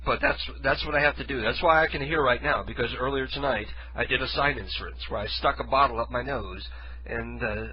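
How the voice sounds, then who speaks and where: A man's voice: mid-range voice, fairly quick, slightly rough, highs cut off. A man hosting his own internet radio show from his living room, talking loosely and self-deprecatingly while stuffed up from a head cold. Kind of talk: casual rambling monologue. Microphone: studio mic with headphones.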